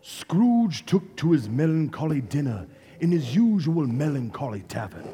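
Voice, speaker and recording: A man narrating a stage radio play as a theatrical, measured, suspenseful storyteller with a creaky voice. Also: on the high side, dark tone. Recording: reverberant hall, music behind.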